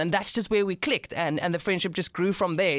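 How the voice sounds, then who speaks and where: Her delivery comes at a very fast pace. This woman's voice sounds dry and close, without any echo. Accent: South African. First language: Afrikaans. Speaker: podcast host. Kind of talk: interview. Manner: blunt, direct.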